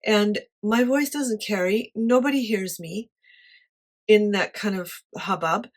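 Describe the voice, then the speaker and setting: A woman with a quiet voice talking casually to camera about her life, light-hearted and honest in manner. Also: medium pitch, slow. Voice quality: quiet voice that does not carry. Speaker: artist sharing life advice.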